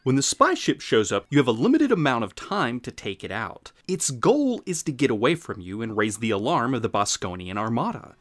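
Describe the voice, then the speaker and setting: A man giving scripted, informative narration as a retro game presenter, with emphatic, explanatory phrasing. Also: mid-range voice.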